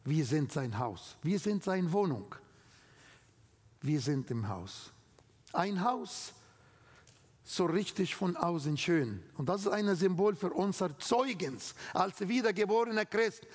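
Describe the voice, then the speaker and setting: A male preacher with an Arabic accent delivers a sermon in careful, emphatic, slightly broken phrasing. His voice sits high for a man and moves at an unhurried, deliberate pace. The sound carries a long reverb from a large hall. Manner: slow, emphatic, broken German with non-native grammar. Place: church hall.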